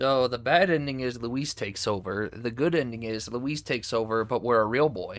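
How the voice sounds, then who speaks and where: At a moderate pace, a man talks with hardly any pauses and ordinary pitch variation. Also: medium pitch for a man. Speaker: gaming streamer. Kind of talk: casual gameplay commentary. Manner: mumbling.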